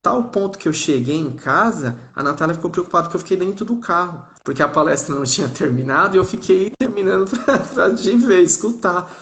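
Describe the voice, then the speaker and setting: A Brazilian man in his thirties, a live stream guest, telling a personal story in an animated, conversational way. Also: sits high, fairly quick, hardly any pauses. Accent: Brazilian Portuguese. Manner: animated, conversational, frequent "né?" tags. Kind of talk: casual storytelling.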